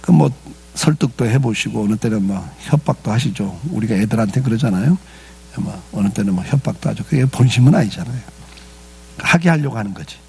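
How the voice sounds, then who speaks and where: A male pastor delivers a sermon in a gravelly, husky voice. His pitch rises and falls with lively swings as he talks, and he keeps it conversational, asking his listeners questions and answering them himself. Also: fairly quick. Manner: conversational preaching with rhetorical questions and frequent "예".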